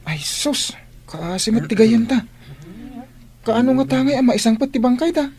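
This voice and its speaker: A man's voice: very high-pitched, expressive, normal speed, darkish tone. A man playing a concerned teenage schoolboy friend in an audio drama, earnest and persuasive. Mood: surprised, concerned. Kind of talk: Ilocano radio-style drama acting.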